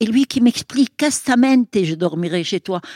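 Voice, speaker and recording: Somewhat breathy and lively in intonation, a woman talks at a moderate pace in a dry, close sound with no echo on a very clean recording with a silent background. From Lebanon. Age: 80s+. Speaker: novelist and poet. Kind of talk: interview.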